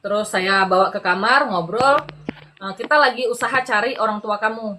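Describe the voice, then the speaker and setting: A middle-aged woman telling her personal story as a podcast guest in an animated, chatty way, laughing often and acting out the voices of the people she quotes. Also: mid-range voice, moderate pace, slight background noise. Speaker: podcast guest giving a testimony. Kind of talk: conversational storytelling.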